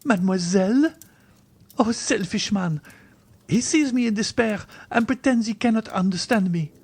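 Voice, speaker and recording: A man's voice: high-pitched, normal speed, gravelly, slightly rough, voice pushed up, heavily acted. A distressed young woman played by a male reader speaks in a raised, melodramatic voice. She pleads and reproaches with devoted fervor, as in a dramatized storybook reading of a classic romance. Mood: wounded, indignant. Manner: impassioned, melodramatic, exclamatory.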